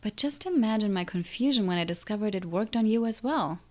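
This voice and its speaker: A woman's voice: mid-range voice, animated, brisk, darkish tone, close to an everyday voice. A woman playing an ancient, menacing siren in an audio drama, taunting and condescending with a theatrical drawl. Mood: intrigued, sly. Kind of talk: audio drama villain acting.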